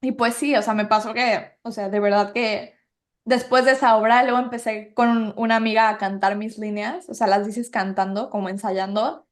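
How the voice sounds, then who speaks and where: A young woman with a Mexican Spanish accent talks as a podcast guest, animated and chatty. Her voice sits a bit high, and she leans on fillers as she tells her stories. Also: moderate pace. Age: young adult. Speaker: guest actress. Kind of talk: casual podcast chat.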